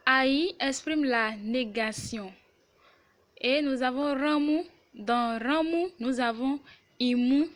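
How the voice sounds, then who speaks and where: A woman teaching a language lesson, explaining slowly and carefully and repeating each word. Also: on the high side. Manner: slow and careful, repeats words. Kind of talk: Yoruba lesson in French.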